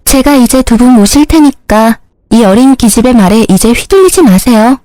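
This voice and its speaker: A woman's voice: on the high side, expressive, moderate pace, mellow, no echo, natural voice. A woman voicing a brazen young mistress who talks down to everyone in a haughty, mocking way. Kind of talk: dramatized story narration.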